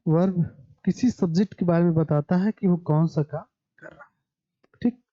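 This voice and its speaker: A man teaching a basic grammar lesson, slowly repeating terms and asking questions that he then answers himself. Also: high-pitched, dark tone. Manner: slow, repetitive, asks and answers his own questions. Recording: dull lo-fi recording.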